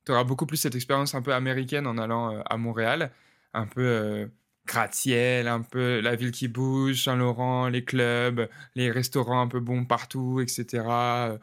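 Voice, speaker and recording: Relaxed young man. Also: mid-range voice, normal speed, smooth. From France. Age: 20s. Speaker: podcast co-host. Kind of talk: casual podcast chat.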